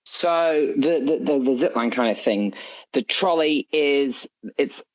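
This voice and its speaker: A man's voice: on the high side, expressive, a little slow, lo-fi sound. A man chatting informally as an interview guest, explaining his writing in a conversational way. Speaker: interview guest, story author. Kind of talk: casual interview chat.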